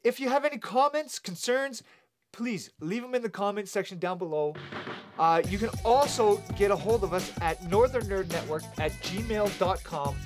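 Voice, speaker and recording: A man's voice: high voice, moderate pace, soft background music. A man from Canada hosting his channel, talking upbeat and direct to the camera in a studio. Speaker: channel host. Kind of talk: casual video intro to camera.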